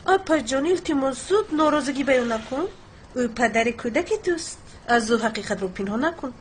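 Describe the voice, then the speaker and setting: A woman's voice: high-pitched, animated, slight background noise. Earnest pleading young woman. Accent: Tajik.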